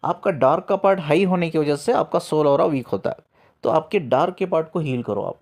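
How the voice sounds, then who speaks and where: A man working as a spiritual coach, telling a story in a lively way. He mixes English words into his talk and repeats himself to stress a point. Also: a little high, a little fast.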